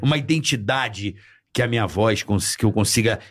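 A man bantering on a podcast in a jokey, lively way. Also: moderate pace, breathy edge. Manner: lively, jokey, swings his pitch.

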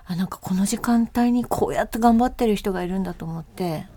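A woman's voice: mid-range voice, fast, dark tone, no room sound. A woman chatting casually in conversation. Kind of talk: casual chat.

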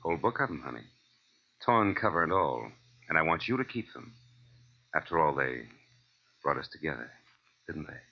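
An actor playing a wry, hard-boiled American private detective, terse and slangy, in 1940s radio style. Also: male voice, rumbling low, very animated, normal speed, vocal fry, pauses often, a little hiss or hum, exaggerated voice. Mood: wry, brisk. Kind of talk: 1940s radio acting and first-person narration. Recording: muffled old radio recording with music.

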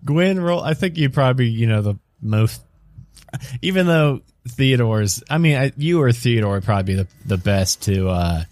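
A man's voice: mid-range voice, lively intonation, moderate pace, darkish tone, no echo. A man narrating as game master in a tabletop game, casual and loose, with lots of fillers.

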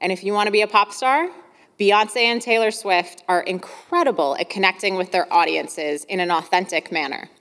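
A woman's voice: medium pitch, normal speed, a bit bright. Encouraging woman host with long reverb. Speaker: podcast host. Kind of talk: scripted monologue, then conversational interviewing. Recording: echoey hall-like reverb.

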